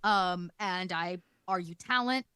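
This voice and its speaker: A woman's voice: lowish voice, slow pace, bright, forceful tone, smooth, no echo, studio quality. A woman speaking casually as an interview guest, informal and often voicing imagined remarks as she explains her work. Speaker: guest, game master and content production manager.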